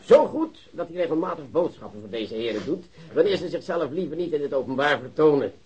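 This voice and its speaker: A pompous, excitable police chief in a radio play. His high, rough-edged voice swoops about as he gives orders with great self-satisfaction, on a muffled recording. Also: a little fast, full character voice. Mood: self-important. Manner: pompous, commanding. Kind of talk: Dutch radio drama acting.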